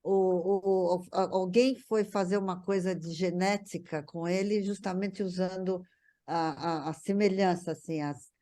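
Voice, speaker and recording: A woman with a Brazilian Portuguese accent, a guest reminiscing casually, halting and repeating words for emphasis. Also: lowish voice, steady tone, mellow. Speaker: guest, daughter of the honoree. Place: online video call.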